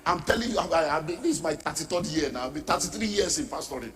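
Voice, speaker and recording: A middle-aged man, preaching a sermon as a pastor, forceful and rising to shouts. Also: fairly high pitch, expressive, fast. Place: church or large hall. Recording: reverberant hall with background music.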